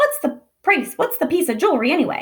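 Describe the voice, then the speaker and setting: A woman's put-on character voice, squeaky and extremely high, racing at a very fast pace with very wide pitch swings. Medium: read story.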